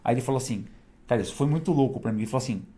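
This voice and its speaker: Fast-talking man telling stories. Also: medium pitch. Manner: animated, laughing storyteller. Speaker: guest. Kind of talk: casual storytelling.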